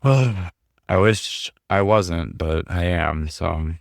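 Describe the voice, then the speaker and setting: A man talking casually on a livestream, rambling with lots of fillers, his voice going hoarse as he gets over being sick. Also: low voice, very slow, dry recording, clean studio sound. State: hoarse, recovering from illness. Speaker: streamer.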